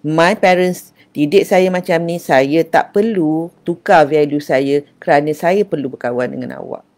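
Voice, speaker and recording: An older woman who speaks on parenting gives an affectionate, casual talk, calling her listeners dear. Her voice is low-pitched with a darkish tone, and she speaks a little slowly.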